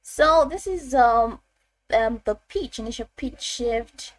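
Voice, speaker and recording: A woman narrating a step-by-step software tutorial in an informal, instructional way, often repeating her phrases. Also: a little high, lively intonation, slow.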